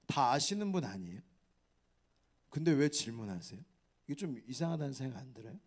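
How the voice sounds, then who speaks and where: A man preaching a revival sermon to a youth retreat, lively and questioning the audience, dropping at times into hushed whispers. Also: mid-range voice, a little fast. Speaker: pastor. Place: church hall.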